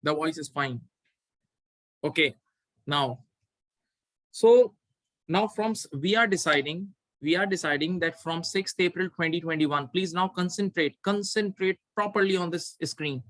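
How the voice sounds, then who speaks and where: A man's voice: fairly high pitch, measured pace, a bit bright, no echo, poor audio. A man teaching a live online exam revision class as an accounting tutor, instructing step by step and repeating key phrases for emphasis.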